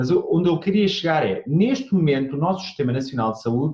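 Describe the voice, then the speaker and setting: This man has a fairly high pitch and a somewhat breathy sound, with ordinary pitch variation. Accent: European Portuguese. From Portugal. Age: 30s. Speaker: podcast host on real estate investment. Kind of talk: interview.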